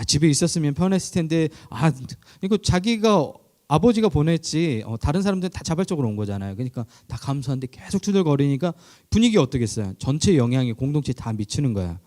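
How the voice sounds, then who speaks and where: Male pastor from Korea, sermon storytelling, animated rise and fall, mellow tone. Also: fairly high pitch. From South Korea. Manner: conversational storytelling with questions to listeners. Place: church, online youth service.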